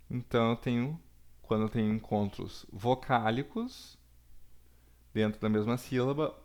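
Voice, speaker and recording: A man, teaching a recorded lesson with slow, deliberate explanations and frequent checks for understanding. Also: on the low side, darkish tone. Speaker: Portuguese teacher.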